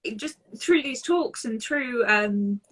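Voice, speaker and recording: A woman hosting an interview. Her voice is slightly high and bright. She asks questions hesitantly, pausing on ums and restarting her sentences. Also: expressive. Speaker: interview host. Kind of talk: casual interview chat.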